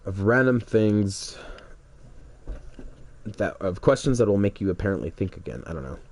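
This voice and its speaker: A man's voice: lowish voice, expressive, normal speed, a little mellow. A young man streaming a game, congested, rambling hesitantly with many restarts while he waits for a match. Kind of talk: rambling solo stream chat.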